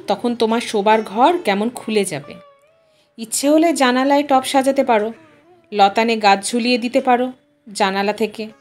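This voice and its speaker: A woman's voice: fairly high pitch, close to an everyday voice. A woman voicing a practical middle-aged husband in an audio story, playful, persuasive and fondly romantic with his wife.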